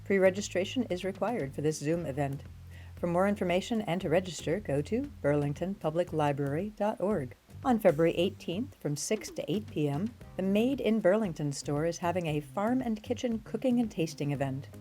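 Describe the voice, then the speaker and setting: A woman presenting a community events calendar in a friendly, clear way. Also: lowish voice, animated, moderate pace, dark tone, faint music behind. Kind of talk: scripted announcements.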